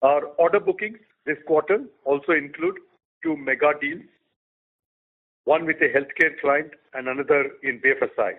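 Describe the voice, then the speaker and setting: A man in the role of chief executive, giving a prepared quarterly business update in measured short phrases. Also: fairly high pitch, animated. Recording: tinny phone line.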